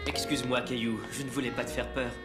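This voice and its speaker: A man voicing a caring, playful father who explains things gently to his small boy in a children's cartoon dub. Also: medium pitch, fast talker, lightly acted. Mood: reassuring. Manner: gentle, patiently explaining, expressive. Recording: music under the voice.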